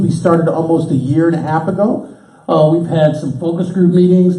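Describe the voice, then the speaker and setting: A man talks loudly at a high pitch and a moderate pace. Noticeable background noise and audible room echo are present. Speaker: city planning director. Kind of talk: public presentation.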